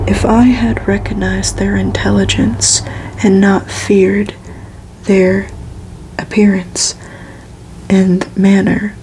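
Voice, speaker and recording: A woman reading a story aloud in a hushed, unhurried, soothing ASMR whisper, as if for relaxation. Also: mid-range voice, creaky, slight background noise, low-quality recording. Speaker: ASMR reader.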